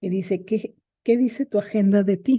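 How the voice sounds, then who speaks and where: At a fairly slow pace, a somewhat breathy voice with a dark, mellow tone shows ordinary pitch variation. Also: woman. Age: 40s. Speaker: executive coach and podcast host. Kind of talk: solo podcast monologue. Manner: casual, with many fillers.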